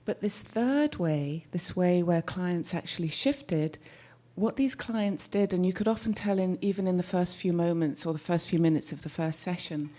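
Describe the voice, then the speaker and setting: A soft-spoken woman, a therapist, presenting a talk to an audience through a microphone. She speaks thoughtfully and sometimes restarts as she searches for words. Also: mid-range voice. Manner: soft-spoken, leans in to the mic.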